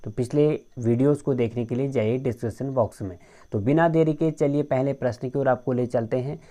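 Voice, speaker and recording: A man's voice: medium pitch, fairly quick, mellow. A man teaching an exam-prep grammar lecture, explaining step by step and often addressing viewers as friends.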